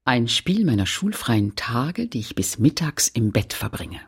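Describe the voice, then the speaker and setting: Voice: mid-range voice, sing-song, a little slow, slightly rough, exaggerated voice. An actor playing a woman who looks back on her Catholic girlhood in sober, literary radio-play narration, observant and introspective. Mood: matter-of-fact.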